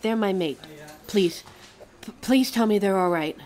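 A woman playing a devoted, distraught young werewolf in an audio drama, halting and pleading as she speaks of her mate. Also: mid-range voice, darkish tone, close to an everyday voice. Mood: frantic, pleading. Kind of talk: amateur audio drama acting.

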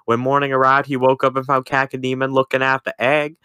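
A man reads an absurd fan fiction aloud in a deadpan narrating tone. His voice is bright and crisp, with a clean, dry sound close to the mic. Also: medium pitch, a little fast, dry recording. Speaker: podcast co-host reading aloud. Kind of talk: comedic reading of fan fiction.

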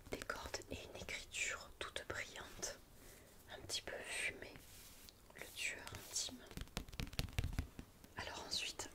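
A young adult woman with a French accent, speaking in a hushed, breathy ASMR library whisper close to the microphone. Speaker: ASMR video host. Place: quiet indoor room. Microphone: close studio mic with furry windscreen.

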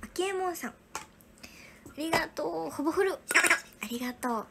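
High-voiced young woman, soft and whispery. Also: moderate pace, vocal fry, very noisy. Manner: soft, often whispery, thanking viewers one by one. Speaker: livestream host. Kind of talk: casual livestream chat reading viewer gifts.

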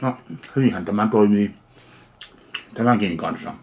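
A middle-aged man from Finland giving casual food tasting commentary to camera in a home kitchen, talking in an unhurried way with pauses as he eats. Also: on the low side, a little mellow. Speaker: food review vlogger. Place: small home kitchen, indoors. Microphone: camera a short distance away. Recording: clear background noise, handling clicks.

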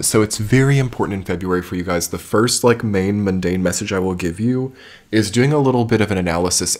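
A man with a slightly scratchy voice from a cold, giving a casual, rambling monthly astrology forecast with many fillers. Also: deep voice. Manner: rambling, filler-heavy, reflective. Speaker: astrology reader.

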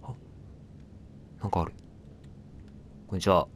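A man giving casual let's play commentary, chatting to the game and its characters as he plays. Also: a little slow. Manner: chatty, talks back at the game, apologizes for noise.

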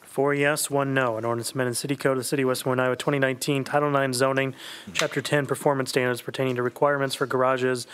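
Man reading council motions in a monotone. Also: medium pitch, slight background noise. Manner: flat rapid reading. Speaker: city clerk. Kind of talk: formal reading of motions and vote tallies. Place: council chamber.

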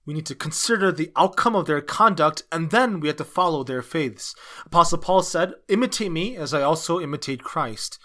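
Male sermon interpreter, slightly high-pitched, halting phrase-by-phrase preaching delivery. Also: lively intonation, sharp tone. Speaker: interpreter dubbing a pastor's sermon.

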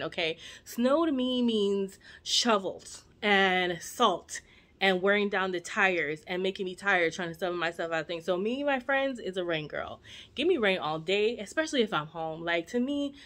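A woman's voice: fairly high pitch, fairly bright tone. A woman in her forties, born in Jamaica and raised in the United States, chatting at home to the camera in a rambling, playful way with asides to her viewers. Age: 40s. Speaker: vlogger. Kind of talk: casual chat to camera. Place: living room at home. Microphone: camera at arm's length.

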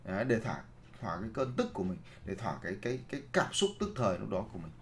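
A man's voice: on the low side, very animated, rapid-fire, a little hiss or hum. A man giving a seminar lecture as a leadership trainer, posing rhetorical questions, then answering them himself, and repeating his key phrases to the audience.

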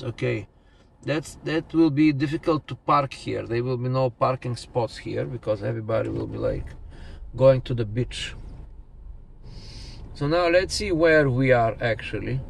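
A man's voice: mid-range voice, gravelly. A man in his forties talking casually to his viewers while driving, pointing out houses and the map. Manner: chatty, addresses viewers as "people". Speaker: vlogger. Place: inside a moving car. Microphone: camera on the dashboard. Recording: car with road noise.

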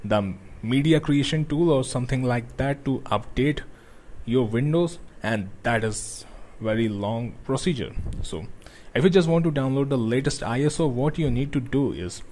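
Young male tech-tutorial host, non-native English speaker, halting and plain, mid pitch, faint ambient hiss behind. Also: a little mellow. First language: not English. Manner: non-native English with grammar slips, many "uh" pauses. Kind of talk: screen-recorded tutorial.

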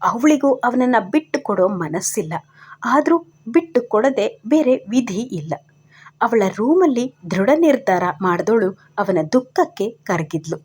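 A woman narrating a romance story in a calm, steady manner. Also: on the high side, a little slow, slightly rough.

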